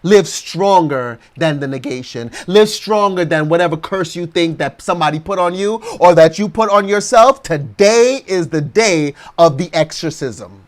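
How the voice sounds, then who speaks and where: An American man preaching a motivational sermon, leading the congregation through slow, emphatic affirmations. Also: fairly high pitch, expressive. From United States.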